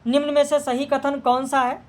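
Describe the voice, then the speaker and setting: High-voiced woman teacher, flat delivery. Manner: brisk, steady, matter-of-fact answer checking. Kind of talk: exam practice lesson, reading out questions and answers.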